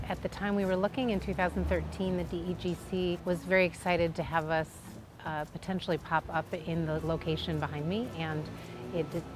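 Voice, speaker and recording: Lower-voiced middle-aged woman, matter-of-fact. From Detroit, USA. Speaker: coffee shop owner. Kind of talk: documentary interview. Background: background music.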